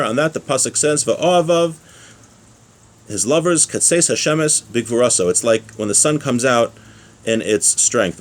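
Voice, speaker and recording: A man teaching Jewish law, reading from a text and explaining it plainly with everyday examples. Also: mid-range voice. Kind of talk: religious text class, reading aloud and explaining.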